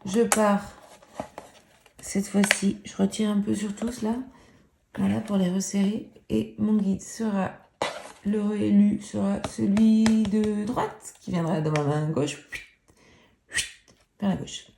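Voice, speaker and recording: A woman's voice: mid-range voice, fairly even intonation, slow, vocal fry, pauses often, warm tone, a little hiss or hum. A woman hosting a crafts tutorial, chatty and playful, mocking herself, swearing casually and counting knots aloud as she works. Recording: roomy echo.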